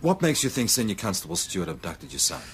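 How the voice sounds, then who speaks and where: An actor playing a calm, measured police sergeant in a TV drama. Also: male voice, low-pitched, slight background noise. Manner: measured, reasoning.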